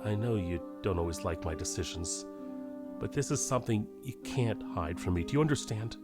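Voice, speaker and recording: A man's voice: on the low side, animated, fairly quick, loud music behind the voice, close to an everyday voice. A man playing an anxious, protective middle-aged scientist father in an audio drama, speaking hesitantly, carefully and earnestly. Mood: worried, earnest.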